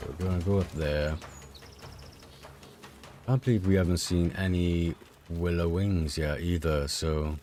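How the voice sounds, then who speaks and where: A man, streaming a game and chatting casually with his viewers in a relaxed, hesitant way with many fillers. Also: a little slow, long pauses. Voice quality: deep voice. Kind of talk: casual gameplay streaming chat. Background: game music.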